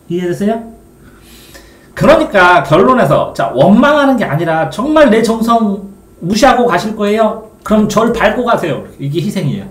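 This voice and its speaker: A man's voice: high-pitched, roomy sound. A man tutoring middle-school students on a poem. He explains step by step and keeps checking whether they understand. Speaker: Korean literature tutor. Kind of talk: exam-prep lecture.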